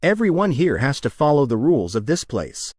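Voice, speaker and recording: A man's voice: mid-range voice, big pitch swings, brisk, a little mellow, no room sound, studio quality. A man reading scripted practice sentences for dictation, with careful enunciation. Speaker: test practice sentence reader.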